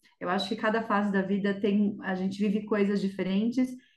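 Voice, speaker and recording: Somewhat breathy and dark, mellow in tone, a woman talks at a medium pitch and a moderate pace. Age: 30s. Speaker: civil engineer and franchise owner. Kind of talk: casual interview.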